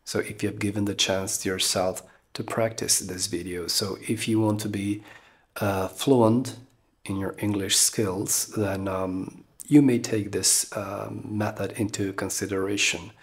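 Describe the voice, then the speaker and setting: A man with an Albanian accent and a low voice teaches English in a talking-head video, recorded close up in a small room. He speaks very slowly and haltingly, filling pauses with ums and uhs and tagging "okay?" onto his points. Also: fairly even intonation. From Eastern Balkans. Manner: slow, halting, many ums and uhs, keeps asking "okay?". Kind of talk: talking-head lesson to camera. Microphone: camera close up at face level.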